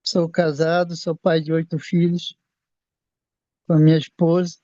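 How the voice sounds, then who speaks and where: Brazilian man, 60s, earnest faith testimony, halting speech with restarts; fairly high, flat voice, dry dull recording. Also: no echo. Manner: halting, repeats and restarts words. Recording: dull lo-fi sound.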